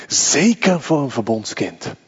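Man, pastor, slow deliberate sermon, long church echo, dull recording. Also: mid-range voice, big pitch swings, slightly rough. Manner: slow, solemn preaching that swells into fervent emphasis.

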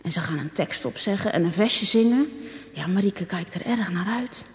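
A woman reading a children's story aloud in a lively, expressive way. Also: fairly low pitch, moderate pace. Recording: echoey, dull recording.

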